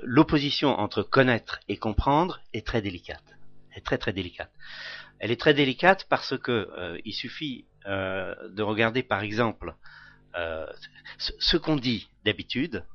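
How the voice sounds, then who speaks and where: With a medium-pitched voice, a man lecturing responds to questions from the audience, giving careful academic explanations peppered with "hein." The recording has no room sound and its highs are cut off.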